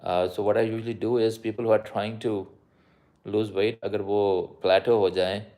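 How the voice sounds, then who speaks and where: A man's voice: lowish voice, little pitch movement, quick pace, mellow. A man with a South Asian accent, a doctor chatting casually on a live stream, switching between Urdu-Hindi and English mid-sentence. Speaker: doctor answering live viewer questions.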